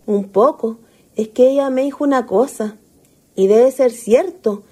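An actress plays a naive young Chilean ghost woman in radio theatre. She sounds flustered and hesitant, with a mellow, slightly husky voice on the high side. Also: a little slow. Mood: shy, flustered. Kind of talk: radio drama acting.

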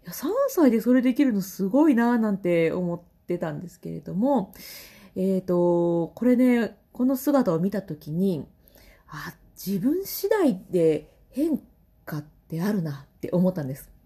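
A woman in her thirties with a Kansai accent talks through her solo podcast in a chatty, easy way. Her voice is mellow, and her pitch rises and falls in lively swings. She laughs often between phrases. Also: unhurried. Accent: Kansai Japanese. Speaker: podcast host and vocal trainer. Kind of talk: casual solo podcast talk.

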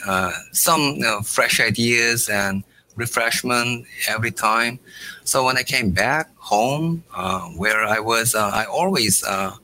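A middle-aged man from South Korea, a native Korean speaker, answering interview questions in halting phrases full of "uh" pauses. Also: lowish voice, bright, forceful tone, a little hiss or hum, low-quality recording. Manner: halting, many "uh" fillers between short phrases. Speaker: startup founder, guest.

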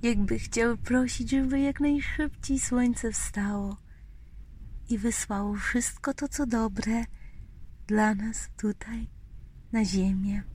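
A woman telling a bedtime story to small children in a whispery, breathy voice, gently repeating phrases and asking them questions. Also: medium pitch. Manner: slow, gentle, addressing little children with repetitions and questions.

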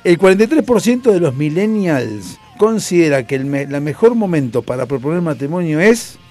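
A man with a Rioplatense accent hosting a casual chat, reading trivia facts in an animated way with quick asides. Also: a little high, faint music behind. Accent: Rioplatense Spanish.

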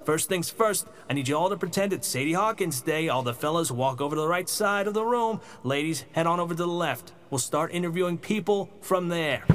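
An actor playing a weary, no-nonsense police commissioner who gives commands in a pulp radio drama. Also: male voice, a little high, natural voice. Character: brusque, weary, hard-boiled police commissioner, man. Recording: clear background noise.

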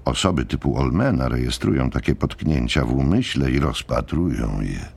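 A man giving a dramatic literary narration for an audiobook, solemn and measured. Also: a bass voice, expressive, vocal fry, darkish tone, husky.

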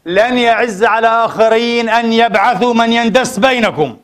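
A man's voice: very high-pitched, moderate pace, a bit bright. A man preaching a Friday sermon in a mosque, impassioned and full of rhetorical questions to the congregation.

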